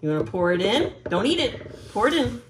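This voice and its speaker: A woman's voice: medium pitch, big pitch swings, brisk. A woman in her thirties cooking at home with her toddler, talking in patient, sing-song coaxing phrases. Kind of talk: casual kitchen chat with a toddler. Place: home kitchen, indoors. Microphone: camera on the kitchen counter. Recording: roomy kitchen echo with clear background noise.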